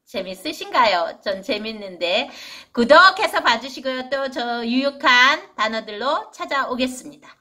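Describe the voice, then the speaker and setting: A woman's voice: sits high, expressive, normal speed, pushed and bright. A middle-aged woman giving a casual spoken vocabulary lesson for parents, stretching out and repeating English words as she explains them in a chatty way.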